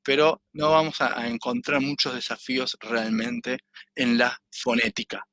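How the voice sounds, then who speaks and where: A man with an Argentine Spanish accent teaches an online language class. His voice is bright and forward, and he keeps tagging his phrases with a quick question to the students. A faint hum sits under the recording. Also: medium pitch. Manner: checks in with a constant tag question. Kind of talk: online lecture.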